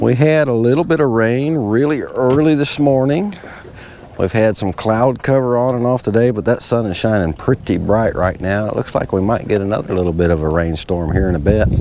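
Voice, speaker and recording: Light background noise sits behind a dry sound with no echo. A man talks at a fairly quick pace with lively intonation. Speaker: resort fishing report host. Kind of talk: casual fishing report. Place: boat.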